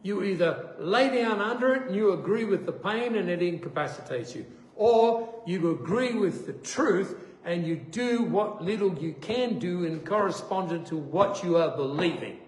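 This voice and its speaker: A man giving a sermon testimony, an animated storyteller who acts out the voices in his stories. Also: high-pitched, normal speed, few pauses. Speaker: preacher. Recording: echoey room with faint noise.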